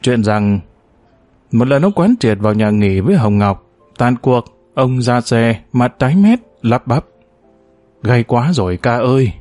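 A man narrating a novel as an audiobook in a measured, steady storytelling manner. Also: mid-range voice, no room sound, faint music behind.

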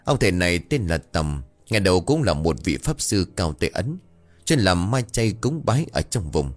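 A man narrating a horror story in a dramatic, expressive storytelling manner. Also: sits low, moderate pace, soft background music.

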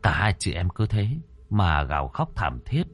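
A man reading a ghost story aloud as a storyteller, in a dramatic, expressive style. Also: low-pitched, moderate pace, soft background music. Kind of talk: scripted ghost-story narration.

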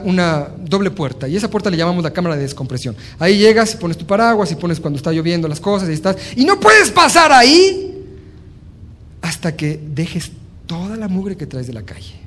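Animated high-voiced man lecturing. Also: slight background noise. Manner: animated storytelling, acting out dialogue, frequent fillers. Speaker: motivational speaker. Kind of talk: motivational talk on leadership.

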